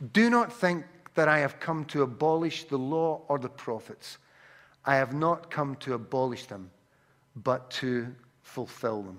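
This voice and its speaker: Speaking at a fairly slow pace in a Glaswegian accent, a man uses a fairly high pitch with very wide pitch swings. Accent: Glaswegian Scottish. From Glasgow, Scotland. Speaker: pastor. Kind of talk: sermon. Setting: church.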